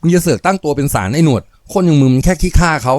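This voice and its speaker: A man's voice: a little high, very fast, a little mellow, dry recording, clean studio sound, pitched above the performer's own voice, close to an everyday voice. A man voicing a coarse, hot-tempered farm foreman who snarls crude threats. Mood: mocking.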